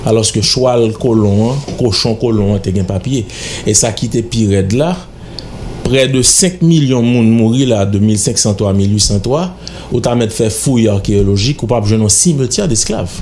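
As a radio studio guest, a middle-aged Haitian-accented man with a lowish, slightly mellow voice speaks at normal speed in an emphatic, lecturing, insistent manner. He uses a stand-mounted studio microphone, and there is slight background noise.

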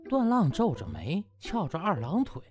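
Highly animated male comic storyteller. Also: normal speed, soft background music. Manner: theatrical, uses sound words and exclamatory particles. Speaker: audiobook narrator.

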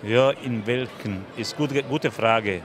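A middle-aged musician from Bosnia and Herzegovina speaks slowly in a mid-range voice, friendly and searching for his words. He's at an outdoor festival on a handheld mic, with crowd noise behind him.

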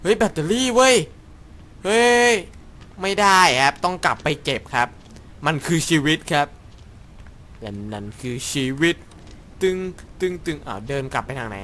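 A man's voice: mid-range voice, animated, normal speed, pushed and bright, a little hiss or hum. A young man commentating a horror game in Thai, joking crudely, talking to himself, acting brave and yelping when startled. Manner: jokey, crude and rambling, mock-brave, yelps when startled. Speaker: gaming YouTuber.

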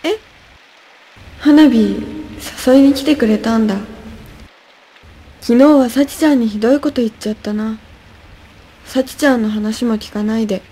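A young woman playing an earnest, stressed high-school senior girl in an amateur radio drama. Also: normal speed, pauses often, mellow, slightly rough, low-quality recording. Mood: downcast, reflective. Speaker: student radio drama actor.

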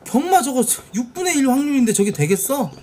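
A man in his thirties live-streaming a game from a small room, talking casually, swearing a lot and yelling at slot machine wins. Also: very high voice, fairly quick, slight background noise. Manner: swearing, excitable, shouts at wins. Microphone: desk mic in gaming chair, webcam framing.

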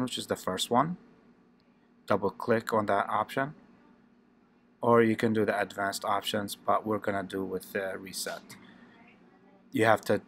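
Low-voiced man giving step-by-step instructions. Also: a bit bright, a little hiss or hum. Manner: plain, repetitive, instructional. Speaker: tech tutorial host.

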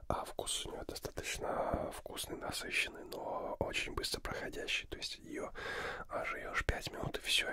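A man in his thirties whispers ASMR very close, right in your ear, unhurried and softly repeating words, into a close studio microphone. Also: extremely high pitch. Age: 30s. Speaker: ASMR video host. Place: indoor room set up for ASMR. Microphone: close studio microphone beside the mouth.

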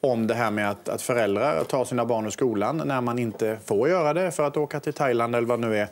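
A man in his forties hosts a morning TV panel from a bright studio table, speaking through a lapel mic. His voice sits at a middle pitch, and he keeps the talk moving by turning questions to each guest. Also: slight background noise. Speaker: talk show host.

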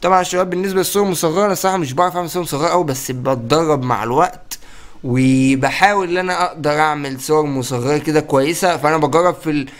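A young man with an Egyptian accent giving excited let's-play commentary, often exclaiming and laughing. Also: on the high side, racing. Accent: Egyptian Arabic. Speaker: gaming YouTuber.

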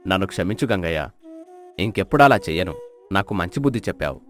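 A man's voice: sits low, expressive, fast talker. A man playing a village headman in a dramatized moral story. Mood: pleading, remorseful. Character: scheming village headman caught out, defiant then pleading. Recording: flute music behind the voice.

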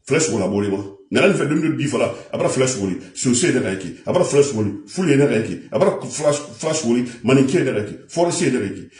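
A man's voice: mid-range voice, lively intonation, fast, few pauses, darkish tone, echoey room. A man giving an emphatic monologue to communicators, repeating his points and mixing French with a local language. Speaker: commentator addressing communicators. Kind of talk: impassioned monologue.

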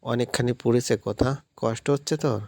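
A man voicing a gentle young man who speaks with soft sympathy. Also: mid-range voice, fairly even intonation, moderate pace, dry recording, close to an everyday voice. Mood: tender.

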